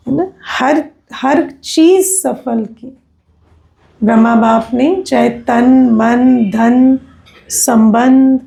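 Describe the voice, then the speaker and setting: A woman's voice: fairly high pitch, creaky, mellow. A woman, a spiritual teacher giving a conversational discourse that is full of tag questions and personal anecdotes.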